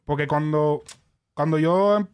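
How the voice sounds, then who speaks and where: Man, podcast co-host, profane and animated, slightly high voice. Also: a little slow, clean tone. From Dominican Republic, raised in Puerto Rico. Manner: animated, swears constantly. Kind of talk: casual chat.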